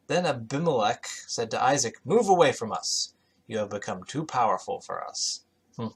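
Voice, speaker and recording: A man with a mid-range voice reads scripture aloud as the host of his show. His delivery is sardonic and skeptical, moving between declaimed reading and muttered, offhand commentary. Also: mid-range voice.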